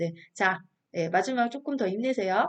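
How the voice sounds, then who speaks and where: Fairly quick pace from a woman, her voice at a medium pitch. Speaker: exam prep instructor. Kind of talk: lecture. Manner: speeds up when excited.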